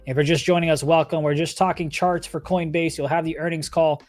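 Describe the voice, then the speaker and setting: A man's voice: on the high side, steady tone, brisk. A man hosting a livestream, giving casual, conversational chart commentary and talking directly to his viewers. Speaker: livestream host and stock trader. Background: background music.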